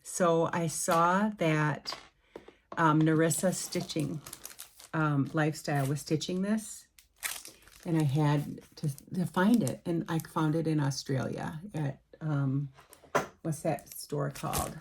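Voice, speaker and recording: A woman's voice: low-pitched, fairly even intonation, takes it slowly, a little hiss or hum. A middle-aged woman chatting casually at home about her cross-stitch patterns, rambling with many ums and restarts. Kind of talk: casual show-and-tell chat.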